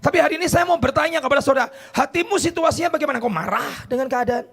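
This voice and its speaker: High, gravelly-voiced preaching man. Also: very fast. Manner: preaching, mixing in English phrases, rising to shouts. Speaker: pastor. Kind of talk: sermon. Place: church.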